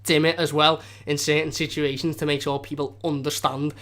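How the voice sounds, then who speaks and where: A man's voice: a little high, flat delivery, moderate pace, fairly bright tone. A young man with a strong Scouse accent, hosting a fan channel live stream in casual, rambling chat with frequent restarts. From Liverpool area of England.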